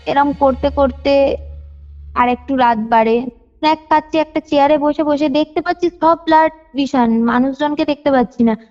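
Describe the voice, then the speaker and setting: A woman's voice: high voice, moderate pace, darkish tone. A young woman telling a personal story in detail on a phone call, repeating phrases for emphasis. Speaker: caller sharing a personal ghost experience. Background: faint music.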